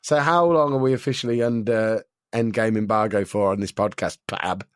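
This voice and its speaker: A man hosting a casual podcast, his voice a little croaky, talking with dry self-deprecating humour. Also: on the low side, normal speed, dry recording. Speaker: podcast host.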